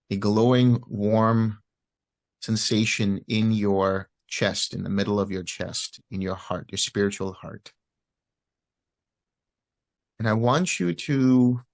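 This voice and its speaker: Slow, low-voiced man guiding meditation. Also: vocal fry, dry recording. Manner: gentle, unhurried, pausing between short phrases. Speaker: meditation teacher. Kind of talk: guided meditation instruction.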